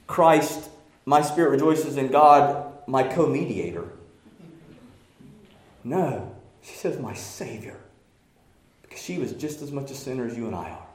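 A man preaching a sermon as pastor, swinging from shouted passion to hushed, near-whispered lines. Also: medium pitch, echoey room. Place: church sanctuary.

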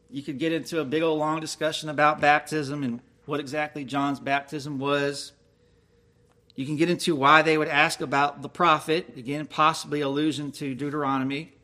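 A man's voice: on the high side, steady tone, normal speed, pushed and bright. A man preaching a sermon, reading scripture aloud and explaining it with questions to his listeners. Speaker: pastor.

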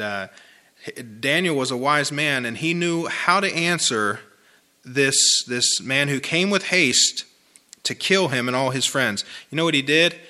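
Bright-voiced folksy male preacher. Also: a little high. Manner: conversational, folksy, repeats phrases for emphasis. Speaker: pastor. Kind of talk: informal sermon with congregation responses.

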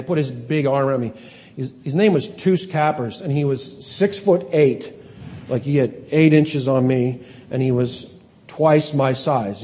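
A middle-aged man from Canada preaching a sermon as pastor, earnest, reading scripture slowly and with emphasis, sometimes correcting himself. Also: mid-range voice, mellow. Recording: long hall reverb.

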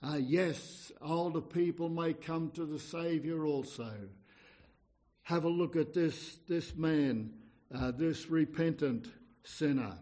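A man's voice: a little high, slow, warm tone. A man preaching an evangelical sermon in an earnest, exhorting manner, often repeating phrases and posing questions.

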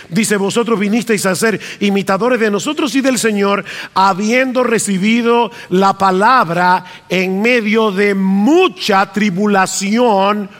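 An Argentine man preaching a sermon, his voice pitched high and pushing upward on the lines he stresses. He speaks with an earnest pastor's conviction. The sound carries a long reverb, as in a large church hall. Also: a bit bright. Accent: Argentine Spanish. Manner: earnest preaching, rising emphasis on key phrases.

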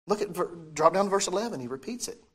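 A man's voice: high voice, animated, fast talker, fairly bright tone, breathy edge. A man preaching a sermon, repeating key phrases and putting questions to his listeners, his articulation slightly impeded by dental braces.

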